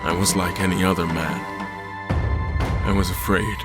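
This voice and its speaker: An actor playing a proud, haunted old admiral, narrating a horror audio drama in a grave, formal manner. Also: male voice, sits low, little pitch movement, moderate pace, lightly acted. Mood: grave, fearful. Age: older. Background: loud music.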